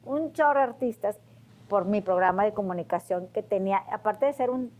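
A woman's voice: medium pitch, brisk. A Mexican woman in her forties, casually telling her own story to camera and acting out quotes in a raised voice. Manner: lively, acts out quotes in a raised voice.

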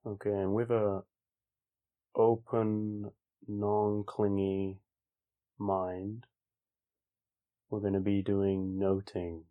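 A man with a deep voice leads a guided meditation at a slow pace. His delivery is calm and conversational, with long pauses between short instructions, and his intonation stays quite flat. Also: clean tone, phone-quality sound. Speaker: meditation teacher. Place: online group session over video call.

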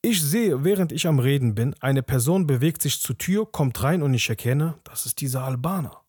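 A young man hosting a podcast, telling a personal story in a casual, animated way, often tagging sentences with "ne?" and dropping into hushed asides. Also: medium pitch, moderate pace, breathy edge, no room sound, clean studio sound. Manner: animated, acts out the other people's lines; casual, with frequent "ne?" tags. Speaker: podcast host.

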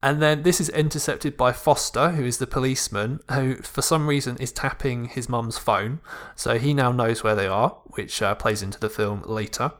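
A man hosting a casual film review chat, recapping the plot in a measured way, with many ums and deadpan asides. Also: medium pitch. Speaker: podcast host.

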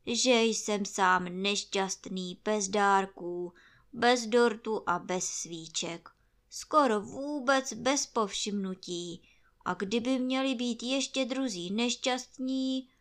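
A woman voicing a gloomy, self-pitying old male donkey who talks slowly and mournfully in a storybook reading. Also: medium pitch, lively intonation, sharp tone. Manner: slow, sighing, self-pitying.

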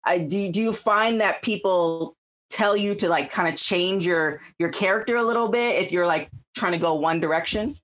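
Woman from Canada, co-host, lower pitch, chatty and filler-heavy. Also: normal speed, fairly bright tone. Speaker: interview host. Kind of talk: casual interview.

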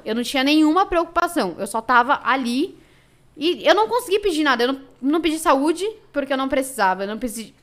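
Brazilian woman, fairly high voice, candid emotional storyteller for a casual podcast chat. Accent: Brazilian Portuguese. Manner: emotional, animated storytelling with many fillers. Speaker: podcast guest.

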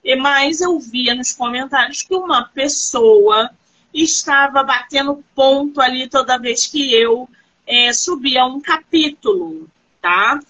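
A woman, an author hosting a live-stream interview, animated and reassuring as she asks questions and tells stories. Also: sits high, slow pace, rough recording.

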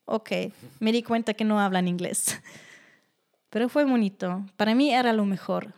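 A young woman from Germany with a German accent, speaking Spanish as a second language, telling stories from her life in a casual interview and acting out the people she quotes. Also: a little slow. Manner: animated, acts out quoted voices with high pitch jumps. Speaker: guest.

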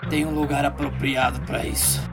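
A man's voice: mid-range voice, sing-song, normal speed, vocal fry, over loud music. A man playing a tabletop roleplay game, casually describing what his character does. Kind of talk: casual in-game action narration.

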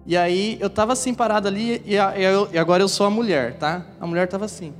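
A man's voice: high-pitched, fast. A man preaching a sermon in a church, telling a personal story, acting out the scenes and speaking directly to the congregation. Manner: animated, acts out scenes and voices. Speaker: pastor. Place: church hall. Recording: long hall reverb with music behind.

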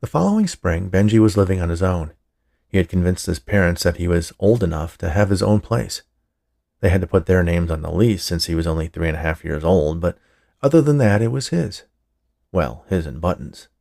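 A man's voice: low voice, lively intonation, a little fast, vocal fry, darkish tone. A man narrating a scripted fiction story as a podcast storyteller. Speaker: writer, narrator and podcast host.

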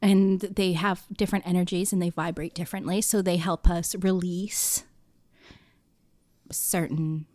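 Woman, sweet animated-princess voice, blunt and sweary podcast guest in casual chat, dry close sound. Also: on the low side, measured pace, no room sound.

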